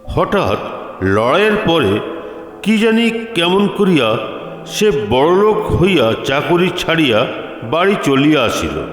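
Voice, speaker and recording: A man reading a literary story as narrator, with formal, deliberate phrasing. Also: a little high. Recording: echoey, long reverb, music behind. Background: music.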